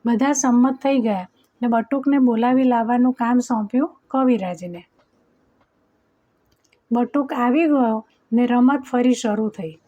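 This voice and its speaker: A woman narrates a storybook chapter in a mellow, warm voice that sits slightly high. She slows down to voice the characters in the dialogue. The recording is dull and lo-fi. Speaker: audiobook narrator.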